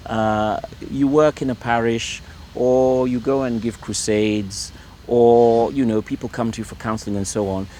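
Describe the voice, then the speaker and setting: A man's voice: mid-range voice, fairly even intonation, unhurried, mellow, a little hiss or hum. A middle-aged man from Ireland, a Catholic priest speaking as an interview guest at his home, hesitant and full of repeated words and fillers. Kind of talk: relaxed conversational interview.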